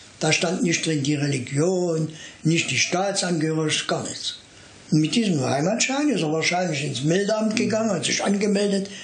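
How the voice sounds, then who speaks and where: With noticeable background noise behind him, a man with a high pitch talks at a moderate pace using ordinary pitch variation. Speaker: contemporary witness of Nazi era. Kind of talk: interview answer.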